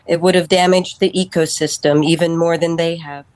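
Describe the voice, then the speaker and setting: A woman playing a calm, literal android woman. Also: lowish voice, dry recording, natural voice. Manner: measured, matter-of-fact. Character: calm female android steward, literal-minded. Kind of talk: radio drama acting.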